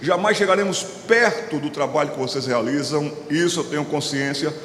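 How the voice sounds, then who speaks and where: A man speaks at a moderate pace with ordinary pitch variation, heard through audible room echo and noticeable background noise. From Pernambuco, Brazil. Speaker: children's ministry conference speaker. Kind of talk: conference talk to church audience. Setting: stage with audience. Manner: animated.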